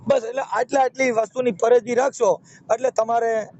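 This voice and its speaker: High-pitched Gujarati man on a call. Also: fairly even intonation, moderate pace, a little mellow. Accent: Gujarati, Saurashtra. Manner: repetitive step-by-step explaining. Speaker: phone counselor and marriage mediator. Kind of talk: advice given on a phone call. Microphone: telephone. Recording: muffled, noisy phone call recording.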